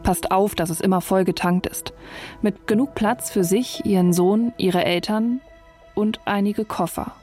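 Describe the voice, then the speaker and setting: A woman narrates a documentary report in a middle-pitched voice. Her delivery is calm and measured, as if reading a script. Quiet music runs behind her. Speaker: journalist narrator. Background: faint music.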